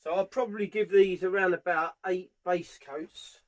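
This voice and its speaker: A man's voice: sits high, fairly even intonation, normal speed, dull audio. A British man giving a casual, hands-on tutorial, explaining each step informally as he works. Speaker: furniture polisher giving a how-to demonstration. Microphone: camera mic on a tripod, at varying distance.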